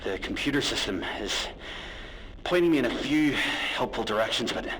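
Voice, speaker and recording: A man playing a weary, frightened but stubborn survivor stranded on a spaceship, recording a halting, hushed audio log. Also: medium pitch, expressive, slight background noise, natural voice, rough recording. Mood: weary, frustrated. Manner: halting, hushed, breaking into whispers. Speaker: solo role-player playing a character. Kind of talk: in-character audio log narration.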